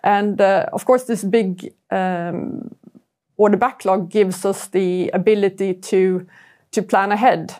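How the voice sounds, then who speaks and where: A woman's voice: medium pitch, steady tone, slow, a little mellow. Woman presenting company results. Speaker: chief executive presenting results. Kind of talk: corporate earnings presentation.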